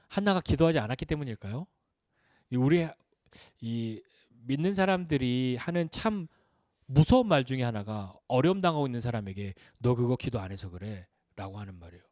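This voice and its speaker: Lively Korean pastor preaching. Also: male voice, medium pitch, no room sound, studio quality. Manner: lively, questioning, rises and drops for emphasis. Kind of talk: Sunday sermon.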